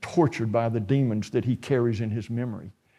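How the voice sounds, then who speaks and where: A man talks at a fairly quick pace with a normal speaking voice. His pitch varies in an ordinary way. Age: 60s. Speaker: novelist. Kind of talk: interview. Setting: stage with audience.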